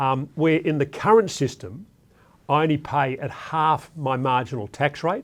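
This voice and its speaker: A man with an Australian accent and a fairly high pitch. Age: 60s. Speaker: investor. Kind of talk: interview. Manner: halting.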